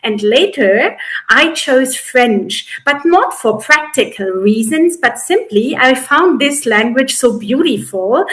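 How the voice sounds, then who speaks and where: A middle-aged woman from eastern Germany with a German accent, giving reflective, halting, explanatory answers as an interview guest. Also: high-pitched, expressive, a bit bright, rough recording. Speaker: interview guest, editor and educator.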